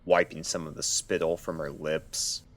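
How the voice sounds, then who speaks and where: Low-voiced male story narrator. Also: little pitch movement, moderate pace. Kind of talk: scripted fiction narration.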